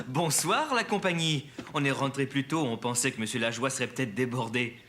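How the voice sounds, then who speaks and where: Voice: mid-range voice, a little fast, slight background noise, lightly acted. An actor playing a cheerful, caring father, a grown man with a fatherly manner, in a children's cartoon. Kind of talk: French children's cartoon dialogue. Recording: loud music behind.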